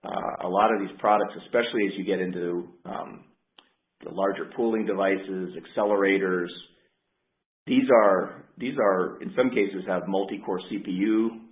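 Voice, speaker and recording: A man speaking as a company executive, answering questions on an earnings call in a measured, careful way. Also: low-pitched, steady tone. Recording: roomy, dull conference line.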